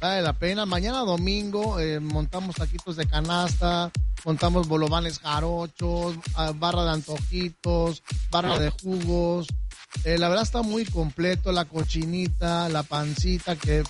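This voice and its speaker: A man's voice: on the high side, steady tone, a little slow, music in the background. A man with a Mexican Spanish accent, a chef enthusiastically listing dishes one by one on a live radio remote from a hotel restaurant. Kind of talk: on-air promotional chat.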